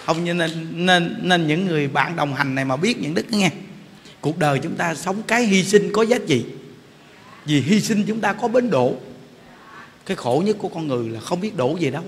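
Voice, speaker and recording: Lively high-voiced monk in a reverberant hall. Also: male voice. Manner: animated, laughing, addresses listeners directly. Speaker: Buddhist monk giving a dharma talk. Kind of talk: casual storytelling sermon. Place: temple hall. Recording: reverberant hall, faint background noise.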